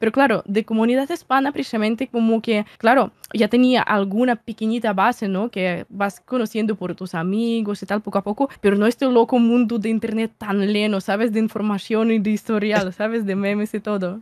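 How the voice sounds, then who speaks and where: In a Russian accent, a woman speaks at a fairly high pitch and a moderate pace with hardly any pauses and fairly even intonation, the sound dry with no echo over a quiet background. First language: Russian (speaking Spanish). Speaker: content creator and streamer; content creator, streamer. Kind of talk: casual interview chat. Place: home room. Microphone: studio mic.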